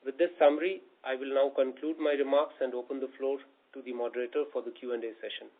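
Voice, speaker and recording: A man's voice: mid-range voice, steady tone, fast talker. Phone-line Indian man presenting financial results. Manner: formal, reciting figures methodically. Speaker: chief financial officer. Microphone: conference call line. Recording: thin phone-like conference line.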